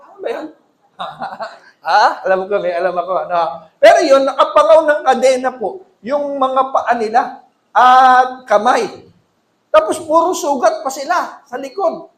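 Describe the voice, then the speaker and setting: High-voiced animated male preacher. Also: echoey room, poor audio. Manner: animated preaching, rising to loud emphatic peaks; asks the congregation questions and answers them. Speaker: pastor. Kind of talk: sermon.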